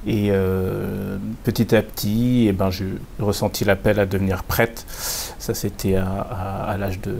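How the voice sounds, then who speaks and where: Male priest, middle-aged, from France, low voice, hesitant testimony with fillers, faint background rumble. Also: little pitch movement, vocal fry, a little mellow. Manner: halting, repeats words, many fillers. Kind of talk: personal testimony in an interview.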